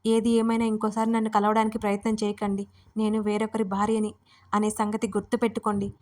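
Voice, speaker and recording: A woman voicing a young married woman who speaks firmly with sharp questions in a Telugu audio story. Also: medium pitch, monotone, brisk, close to an everyday voice. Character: young married woman, guarded then angry.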